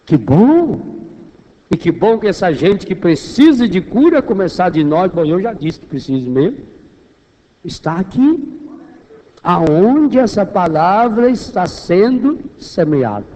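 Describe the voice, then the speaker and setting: High-voiced Brazilian preacher in an echoing hall. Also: male voice, sing-song, unhurried, mellow, dull audio. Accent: Brazilian Portuguese. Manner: emphatic, rhetorical questions, repeats phrases for weight. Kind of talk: charismatic sermon to a congregation. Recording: echoey hall, long reverberation.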